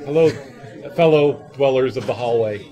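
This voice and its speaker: At a game table in an echoey convention hallway, a game developer jokes through a casual interview in a warm, medium-pitched voice at normal speed. Crowd noise and faint music sit behind him, and the highs are cut off.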